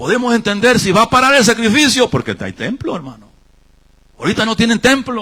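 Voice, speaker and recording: At a fairly quick pace, a man delivers his words in a bright, sharp tone. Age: 60s. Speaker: pastor. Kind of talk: sermon.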